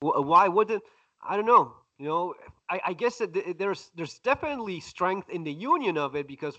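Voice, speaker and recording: A man's high-pitched voice in a Spanish accent, bright and sharp in tone, with very wide pitch swings against a quiet background. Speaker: podcast host, survival author. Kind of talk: casual interview chat. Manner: halting, many false starts.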